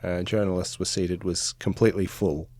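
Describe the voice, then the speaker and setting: A man's voice: low voice, steady tone, moderate pace, darkish tone, no echo. A middle-aged man from Australia, a sports reporter talking casually on a podcast, with many fillers and restarts.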